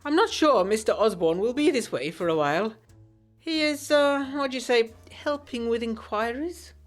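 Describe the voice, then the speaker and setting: A woman voicing a courteous, faintly sinister male doctor with formal, measured phrasing in a gothic audio drama. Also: on the high side, animated, faint music behind, voice pushed up, lightly acted. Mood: courteous, probing.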